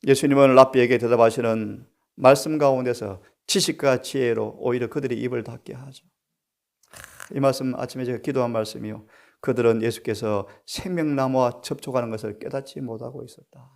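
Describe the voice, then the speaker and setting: Gravelly middle-aged man preaching. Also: medium pitch, fairly even intonation, brisk. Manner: rhetorical questions to the congregation, swings from soft to loud. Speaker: pastor. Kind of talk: sermon.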